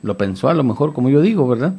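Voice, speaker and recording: A man's voice: mid-range voice, big pitch swings, fast talker, vocal fry, slightly rough, highs cut off, faint music behind. A man preaching a radio sermon, retelling a scripture story with mounting fervor. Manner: retells scripture dramatically, rising to shouts of pleading.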